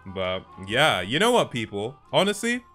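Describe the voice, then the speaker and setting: A man's voice: medium pitch, wildly swooping pitch, normal speed, bright, forceful tone, soft background music. A young man streaming from home on a headset, chatting casually and laughing easily with his chat. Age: young adult. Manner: laid-back, laughs often, chatty with chat. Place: home streaming room, indoors.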